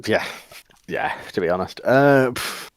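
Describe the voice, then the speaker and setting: A man's voice: fairly low pitch, a little slow, no room sound. A man chatting casually as a panel guest, musing and hesitant as he thinks aloud. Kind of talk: casual chat.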